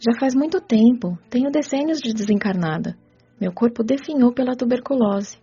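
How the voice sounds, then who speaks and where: A woman's voice: on the high side, expressive, moderate pace, dark tone, slightly rough, full character voice. A woman playing a friendly young female spirit in an audiobook radio drama. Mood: gentle, matter-of-fact. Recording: muffled lo-fi audio with music.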